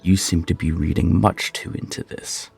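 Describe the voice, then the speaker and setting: An actor playing a sneering, scheming sorcerer in a fantasy audio drama, haughty and drawling, with a gravelly, husky voice. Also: male voice, sits low, flat delivery, normal speed, a little mellow, soft background music. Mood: haughty disdain.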